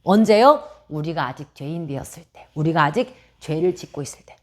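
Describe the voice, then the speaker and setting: A woman's voice: low voice, animated, a little fast. A woman preaching a children's sermon, telling a story and asking the children questions.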